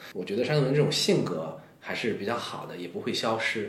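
At a fairly quick pace, a man's pitch swings very widely, with audible room echo and noticeable background noise around him. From Shandong, Weifang (China). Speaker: freelance columnist. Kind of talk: casual chat. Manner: halting, many fillers and repetitions.

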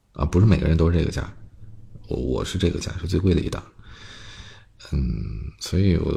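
A man's very deep, low voice with a dark, mellow tone and vocal fry, at a fairly quick pace amid audible room echo. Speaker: radio DJ hosting live audio stream. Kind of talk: casual live-stream chat. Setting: live audio stream.

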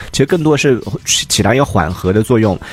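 With an ordinary speaking voice, a man talks at a moderate pace with lively intonation. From Yunnan, China. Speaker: podcast co-host. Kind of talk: casual chat.

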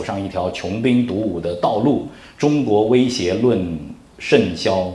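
Over noticeable background noise and audible room echo, a man speaks very slowly at a fairly low pitch with ordinary pitch variation. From Yunnan, China (Kunming). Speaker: TV news host giving a public talk. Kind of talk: public talk. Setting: stage with audience.

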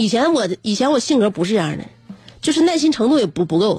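Very fast delivery with very wide pitch swings. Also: woman. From Northeast China. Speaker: radio host. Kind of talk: casual radio monologue. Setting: radio studio.

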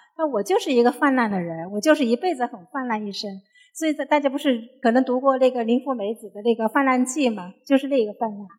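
A woman with a Hunan accent speaks at a high pitch. Her pace is very fast and her intonation is lively. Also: big swings in loudness. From Changsha, Hunan, China. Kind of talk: book talk at live event. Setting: bookstore event with audience.

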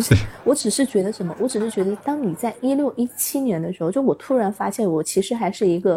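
Over noticeable background noise, a woman speaks at a very fast pace. Her fairly high voice has lively intonation. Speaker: caller. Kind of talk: casual phone chat.

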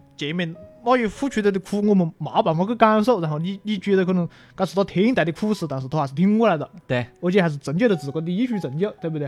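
Very fast and high, a man speaks with lively intonation. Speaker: crosstalk enthusiast. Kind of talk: casual chat.

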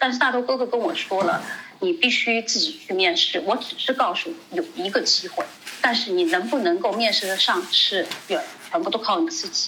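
Her pitch is high and moves in very wide swings as this woman talks at a fairly quick pace. Noticeable background noise can be heard. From China, Jiangxi. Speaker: businesswoman in foreign trade. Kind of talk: interview, life story.

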